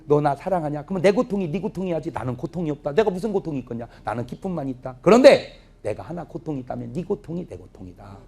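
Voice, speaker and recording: Man, pastor, revival sermon, husky voice, fairly high, swinging pitch, acts out family scenes. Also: fast, few pauses. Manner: lively storytelling, acting out family dialogue. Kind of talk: revival sermon with humorous stories. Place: church revival meeting, audience laughing.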